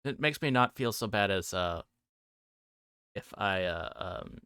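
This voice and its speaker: A man chatting casually as he hosts a game livestream, halting and rambling and often trailing off. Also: fairly low pitch, animated, bright, forceful tone, clean tone, no room sound, clean studio sound. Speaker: livestream host playing a visual novel.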